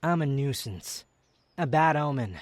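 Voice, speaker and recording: A haughty young male wanderer, acted by a man, speaks close to the mic in a very dry space. His medium-pitched voice is sardonic and teasing, with dramatic pauses. It suits a romantic ASMR roleplay, where a guarded lover lets tenderness show beneath his pride. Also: lively intonation, no room sound, natural voice. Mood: vulnerable, earnest.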